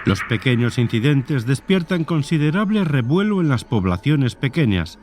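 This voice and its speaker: A man narrating a horror story as a scripted literary reading, in a measured storytelling manner. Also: medium pitch.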